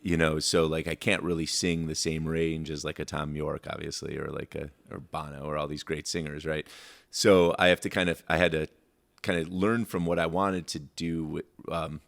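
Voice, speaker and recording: Baritone male songwriter from Michigan; very low, rambling, filler-heavy interview talk. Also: level tone, moderate pace, creaky, fairly bright tone. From Michigan, USA. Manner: rambling, many fillers and restarts. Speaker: songwriter guest. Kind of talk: casual interview chat.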